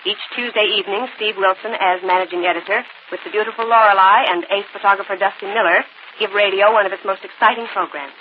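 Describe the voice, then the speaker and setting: An actress playing a lively, teasing secretary who also introduces guests, on an old radio broadcast with faint hiss. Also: female voice, mid-range voice, quick pace, lo-fi sound, natural voice. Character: Nikki, lively female secretary.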